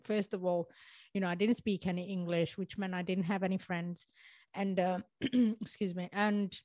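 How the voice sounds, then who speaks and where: A woman's voice: mid-range voice, dry recording. A young adult woman from Pakistan, a motivational speaker telling her story in a chatty interview, laughing often and using many fillers. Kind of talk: conversational interview.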